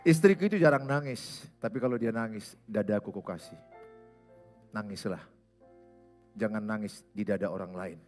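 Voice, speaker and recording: A male pastor preaching a sermon in a church, animated and speaking straight to his listeners. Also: on the low side, normal speed, pauses often, faint music behind. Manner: animated, acts out scenes, speaks to the listener directly.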